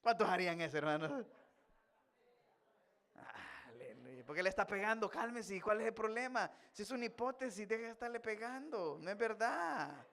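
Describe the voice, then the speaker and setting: A male pastor giving a sermon in a church, moving from chatty asides to loud, impassioned preaching. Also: sits high, expressive, normal speed, gravelly.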